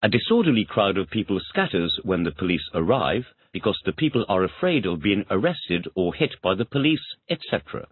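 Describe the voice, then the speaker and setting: A man's voice: deep voice, very animated, brisk, few pauses, husky, no room sound. A man taking an English lesson, answering each question by repeating it back in complete sentences. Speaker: English student. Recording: tinny phone-like dry audio.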